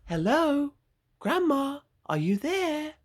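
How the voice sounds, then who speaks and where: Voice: high-pitched, sing-song, slow pace, pitched above the performer's own voice, exaggerated voice. A teacher voicing a frightened little girl in a red hood, gasping and pleading in a storybook reading. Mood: wary, wondering. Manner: wide-eyed, gasping, pleading.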